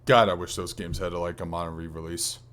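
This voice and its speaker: A man's voice: low voice, fairly even intonation, a little fast, a bit bright. A man co-hosting a podcast, chatting casually about video games in a rambling, conversational way. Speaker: podcast co-host.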